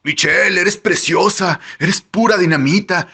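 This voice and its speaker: A cocky young braggart who never stops talking, as a man reads him in an audiobook. The voice sits higher and louder than the narrator's, bright and pushing, with a rambling, self-satisfied manner. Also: unhurried, gravelly, husky, heavily acted. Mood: boastful. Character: boastful young man, nonstop talker, arrogant.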